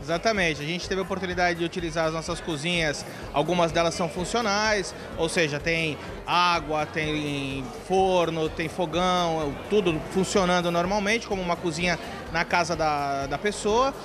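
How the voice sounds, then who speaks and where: Relaxed Brazilian man interviewed at a party. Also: fairly high pitch, normal speed, few pauses, crowd noise. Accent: Brazilian Portuguese. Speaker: store sponsor guest. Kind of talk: casual interview answers.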